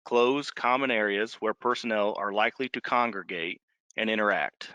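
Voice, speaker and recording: An American man reading a formal scripted public briefing on a conference call, measured and carefully enunciating numbers item by item. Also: medium pitch, pushed and bright, no room sound.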